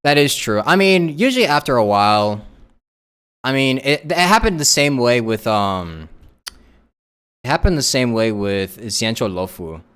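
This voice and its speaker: A man's voice: mid-range voice, sing-song, unhurried, fairly bright tone, smooth. A man streaming a casual live reaction, talking in a rambling way with lots of restarts and fillers.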